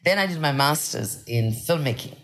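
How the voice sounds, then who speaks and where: A woman from Nepal who grew up in India, a journalist and podcast guest, telling her story in an articulate, animated way. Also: low voice, normal speed. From Nepal, raised in India. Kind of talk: casual conversational interview.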